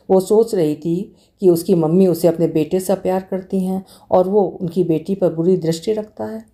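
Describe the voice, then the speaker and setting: A woman reading a short story aloud in a measured, expressive way. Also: lowish voice.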